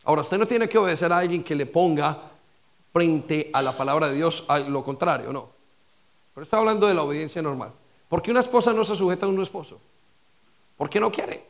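A male pastor preaching a sermon with rhetorical questions and repetition, swinging between loud stress and quiet dropped lines. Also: fairly high pitch, lively intonation, brisk, creaky.

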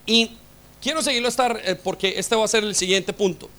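Male pastor, fervent sermon delivery, high bright voice, drives points home with rhetorical questions. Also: a little fast. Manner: impassioned preaching with rhetorical questions.

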